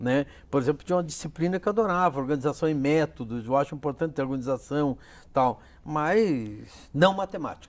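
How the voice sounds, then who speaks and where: A man speaks at a fairly quick pace in a fairly high voice with ordinary pitch variation. The recording is very clean with a silent background. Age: 60s. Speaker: journalism professor. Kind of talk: interview. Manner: halting.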